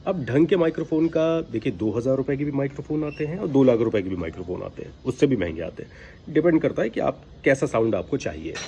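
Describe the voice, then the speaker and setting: Speaking fast in an expressive, warm mid-range voice, a voice-over coach delivers an informal lesson, emphatic and admonishing, posing rhetorical questions. The audio comes from a built-in device microphone without an external mic, so background noise and outside ambient sound come through.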